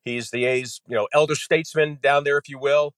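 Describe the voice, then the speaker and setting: A man's voice: on the high side, steady tone, a little fast, a bit bright, dry recording, clean studio sound. A man, a radio play-by-play announcer appearing as a guest, walking through a game in conversational detail with frequent "you know"s.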